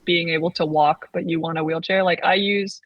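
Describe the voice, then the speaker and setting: A 21-year-old trans man, a guest on a podcast, chats casually and rambles, saying "like" constantly. His voice is fairly high and steady, and he speaks briskly. The recording sounds muffled.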